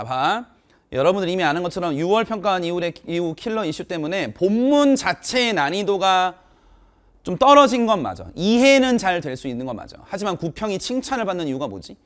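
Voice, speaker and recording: A man teaching test prep, ranting with exasperation about an exam and speaking straight to his students, moving between polite and casual speech. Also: sits high. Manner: animated, exasperated ranting, addressing students directly. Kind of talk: informal exam commentary to students.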